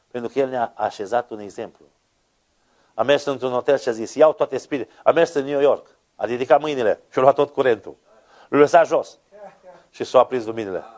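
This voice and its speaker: A man preaching a fervent sermon, dropping to low quiet words and then climbing to high, ringing exclamations. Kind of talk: Pentecostal sermon.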